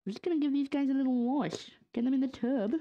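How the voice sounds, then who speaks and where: Cooking in her home kitchen, a young adult woman live-streams in a high, fast voice, joking around and tossing sarcastic asides to chat. She's from northeast Scotland with a light, partly English-sounding accent and a slight brace lisp, and the audio is dull.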